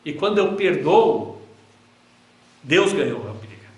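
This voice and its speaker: A man's voice: fairly high pitch, animated, slow. A man teaching a Bible class to a group, preaching earnestly in a room with a projector, repeating phrases for emphasis. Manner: earnest, repetitive preaching cadence. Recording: roomy echo in a hall.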